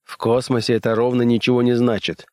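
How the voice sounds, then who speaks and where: A man's voice: medium pitch, flat delivery, fairly quick, dry recording, studio quality, lightly acted. A male audiobook reader voicing a stubborn starship captain in a blunt, nearly plain voice.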